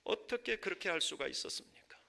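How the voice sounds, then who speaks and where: Male pastor, sermon delivery, very bright forceful tone, slightly high voice, surges from hushed to loud. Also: animated, fast, vocal fry. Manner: swells to loud impassioned preaching, then drops to soft near-whispers. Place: church sanctuary.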